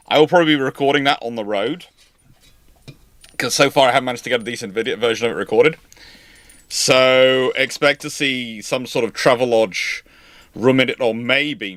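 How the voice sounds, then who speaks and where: A man's voice: medium pitch, sharp tone, dry recording. A man with a Scottish accent hosting a live naval history Q&A, chatty and rambling, laughing at his own jokes. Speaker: naval history channel host. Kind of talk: casual live Q&A chat.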